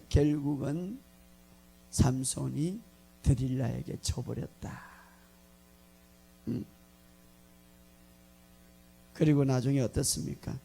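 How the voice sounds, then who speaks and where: A male pastor preaching a sermon, telling a story with lively acted-out lines and frequent laughter. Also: medium pitch, gravelly, slightly rough. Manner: animated storytelling, acting out lines, laughing often.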